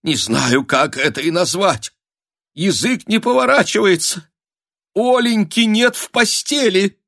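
A shrill, melodramatic old countess, put on by a man reading. She wails and gasps her words in high-strung bursts, every sentence a small catastrophe, in a dry, close sound. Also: expressive, a little slow, gravelly, fairly bright tone, dry recording, full character voice. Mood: distraught. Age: older. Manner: wailing, breathless, melodramatic exclamations. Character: hysterical aging countess mother, shrill and dramatic.

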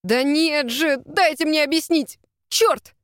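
A woman voicing a flustered grown man who yells protests in an audiobook scene. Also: high-pitched, slow, dry recording, studio quality, pitched above the performer's own voice. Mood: panicked. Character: panicked grown man caught in a misunderstanding.

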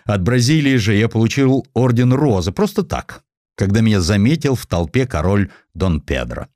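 A man acts out an aging misanthropic magnate for an audio drama. He is dry and grumbling, mocking himself with gloomy wit. The low-pitched voice swings widely in melody, recorded close and dry. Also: big pitch swings, moderate pace, darkish tone, no room sound. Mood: wry, mocking. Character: Alfred Nobel, wry gloomy aging misanthropic inventor tycoon.

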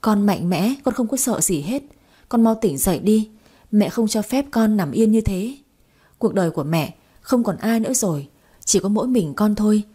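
A woman reads a devoted young mother in a sad audio story, pleading through tears. Her voice is warm and breathy, her talk imploring. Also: mid-range voice, animated, normal speed. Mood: desperate. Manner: pleading and tearful. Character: desperate, devoted young mother of a sick boy.

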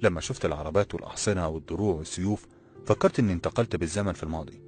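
A man doing a restless, bewildered young man with an Egyptian accent, his voice low and deep as he rushes through his words. He talks in a quick, exasperated colloquial way, as in an audiobook. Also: darkish tone, close to an everyday voice. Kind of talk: audiobook character voice.

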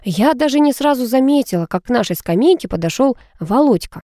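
A woman's voice: high voice, a little fast, dry recording. Woman narrator, ironic storytelling voice, lots of ups and downs, dry booth sound. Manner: lively, expressive storytelling with ironic asides. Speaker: audiobook narrator. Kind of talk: first-person audiobook narration.

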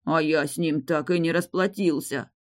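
A woman's voice: sits low, steady tone, moderate pace, lightly acted. A woman voicing a middle-aged male black mage, a protective father who blusters at rivals.

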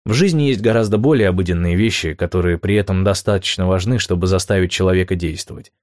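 A man narrating nonfiction in a measured, clear storytelling manner, posing rhetorical questions along the way. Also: deep voice, darkish tone, no echo, clean studio sound. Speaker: audiobook narrator.

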